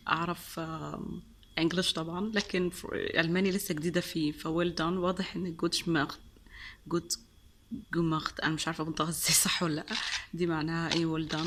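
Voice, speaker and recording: Background noise runs under this low-voiced woman's casual vlog as she samples sweets. She has an Egyptian Arabic accent, gushes, repeats words to stress them, and drops in bits of English and French.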